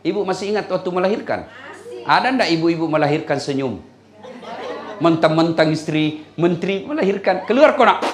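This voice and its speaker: A man's voice: a little high, moderate pace. A man preaching a humorous sermon, telling stories with laughs and teasing the women in the audience. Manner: lively storytelling with laughs and teasing asides to the women. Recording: echoey room sound.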